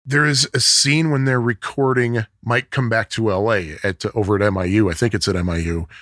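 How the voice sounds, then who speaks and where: A man with a bass voice co-hosting a podcast, chatting in a jokey, animated way. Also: fairly quick, no echo, studio quality. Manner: animated, jokey, swoops in pitch. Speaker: podcast co-host. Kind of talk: casual chat.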